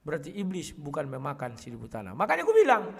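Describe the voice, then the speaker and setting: A man speaking casually to his viewers in a combative way, often clearing his throat. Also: fairly high pitch, wildly swooping pitch, fast talker, in a large hall. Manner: combative, addresses listeners as "kawan", frequent throat clearing. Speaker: online video host.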